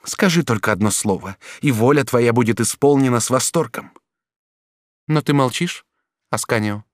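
A man's voice: medium pitch, normal speed, no echo, clean studio sound, voice pushed up, lightly acted. A man reading an audiobook, voicing an ardent, jealous duchess who pleads for a young man's love. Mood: pleading. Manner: pleading, then threatening. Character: passionate jealous duchess, the king's favourite.

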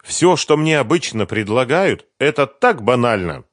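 A man's voice: medium pitch, very animated, measured pace, a bit bright, no echo, studio quality, voice pushed up. A man reading the part of a twenty-three-year-old woman singer, who sighs and talks persuasively about men and money. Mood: coaxing. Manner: sighing, persuasive, lightly complaining. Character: young woman pop singer, 23, coy and calculating.

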